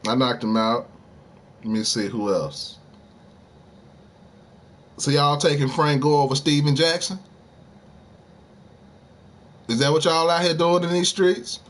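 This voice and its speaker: Streaming a game, a man chats casually but heatedly with his viewers, arguing about sports in lots of slang and speaking straight to them. His voice is fairly high and fairly bright, unhurried, with frequent pauses.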